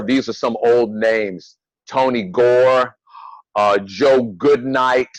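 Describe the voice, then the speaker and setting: This is an ordinary speaking voice. A man talks at medium pitch with an American accent. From North Carolina. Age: 60s. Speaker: martial arts instructor. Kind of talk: interview conversation.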